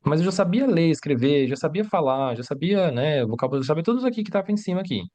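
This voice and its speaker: Speaking fast with lively intonation, a man with a slightly high, mellow voice teaches Mandarin in a livestream lesson. Portuguese is his second language, and he explains step by step, asking rhetorical questions and often checking in with "né?" and "tá?".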